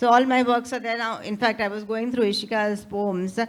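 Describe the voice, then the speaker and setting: In a very clean recording with a silent background, a woman with an Indian accent speaks at a moderate pace. Her fairly high voice keeps a monotone, flat intonation. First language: Hindi. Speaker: author. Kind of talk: panel discussion.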